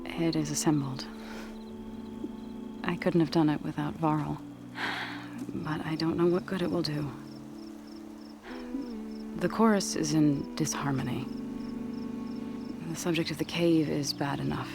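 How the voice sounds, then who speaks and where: An actress playing a solemn, earnest tribal woman in a video game, speaking in a formal, measured way. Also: low-pitched, fairly even intonation, creaky, music in the background. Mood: solemn, concerned. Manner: formal, measured, deliberate phrasing. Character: solemn, earnest tribal woman who petitions her elders. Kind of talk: video game cutscene acting.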